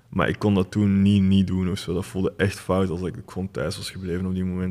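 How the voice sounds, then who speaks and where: A man's very fast speech, fairly low in pitch, with a dark, mellow tone and fairly even intonation. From Belgium, Antwerp. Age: 20s. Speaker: musician and graphic designer. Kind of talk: interview.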